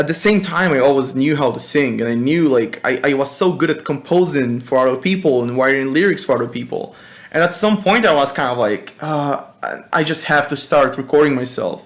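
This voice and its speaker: A man with an Israeli accent talks at a fairly quick pace with hardly any pauses. His fairly high pitch shows ordinary variation over noticeable background noise. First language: Hebrew. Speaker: music producer. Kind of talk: live-stream workshop. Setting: live stream. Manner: casual, halting.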